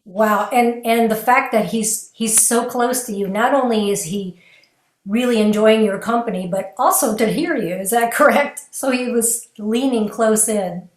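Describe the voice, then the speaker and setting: A woman's voice: on the high side, measured pace. A woman hosting an online interview, asking questions with admiring enthusiasm. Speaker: host. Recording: roomy video-call audio.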